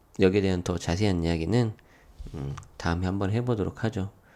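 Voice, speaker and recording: This man's voice has ordinary pitch variation. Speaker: real estate and tax news commentator. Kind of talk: news commentary. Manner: fast; casual, many fillers.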